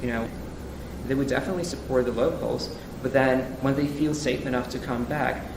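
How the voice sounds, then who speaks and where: Earnest young man from Ukraine, gravelly. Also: medium pitch, steady tone, roomy sound, noisy background. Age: young adult. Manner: earnest, measured, frequent um and uh. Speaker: student guest. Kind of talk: interview and studio conversation.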